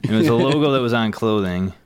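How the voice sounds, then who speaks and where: A man's voice: mid-range voice, fast talker, darkish tone, smooth. A man in his thirties chatting casually and telling stories in a comedic way. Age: 30s. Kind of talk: casual comedic chat and storytelling.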